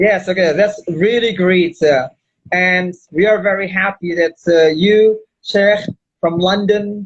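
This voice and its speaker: With an Indonesian accent, a man speaks at a very slow pace with high pitch and fairly even intonation. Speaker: Islamic boarding school member. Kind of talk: live interview chat. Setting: Instagram live video call. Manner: halting.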